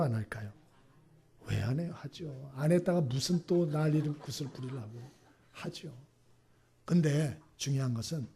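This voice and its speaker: A male pastor giving a Sunday sermon. He asks the congregation questions and then answers them himself in soft, whispered repeats. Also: fairly high pitch, breathy edge.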